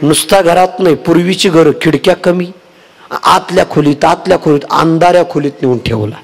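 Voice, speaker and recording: A man from Karnataka telling a humorous devotional story as a kirtan preacher, with lively, theatrical delivery at a temple festival. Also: a little high, normal speed, vocal fry, faint music behind.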